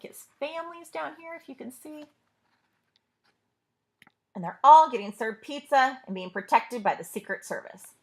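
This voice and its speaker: A woman narrates a children's picture book in a read-aloud style. Her mid-pitched voice moves up and down in a lively, expressive way. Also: vocal fry. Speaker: librarian reading aloud.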